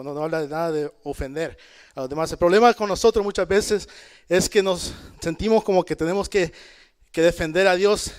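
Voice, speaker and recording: A man's voice: a little high, clear, resonant tone. A man from El Salvador, teaching a Bible study to a church congregation in a conversational way, calling out amen and checking in with his listeners. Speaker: preacher. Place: church in Canada.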